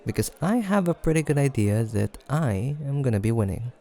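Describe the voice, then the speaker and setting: A man acting a playful, creaky-voiced teasing guy friend. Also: medium pitch, sing-song, a little fast, mellow. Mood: flirty, confident. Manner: playful teasing, frequent chuckles, casual banter. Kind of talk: improvised audio roleplay addressed to the listener.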